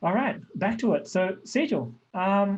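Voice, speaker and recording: A man with an Australian accent. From Australia, Melbourne. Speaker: event moderator. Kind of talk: live virtual panel moderation. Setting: live video stream.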